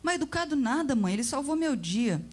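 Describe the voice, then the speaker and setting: A woman's voice: high voice, brisk, pitched above the performer's own voice. A woman voicing a chatty, cheeky grown daughter gossiping about her day. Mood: gossipy cheerful. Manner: lively, gossipy.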